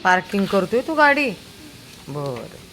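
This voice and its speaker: A woman's voice: mid-range voice, sing-song, unhurried, a crowd in the background. A woman chatting casually while walking a dog outdoors on a sunny street, calling out in a coaxing, sing-song way to a toddler and the dogs. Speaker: dog owner vlogger.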